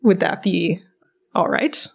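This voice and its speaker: A woman's voice: on the low side, lively intonation, slow, gravelly. A woman hosting a casual podcast discussion, speaking in a questioning, conversational way with frequent use of "like". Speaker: podcast host.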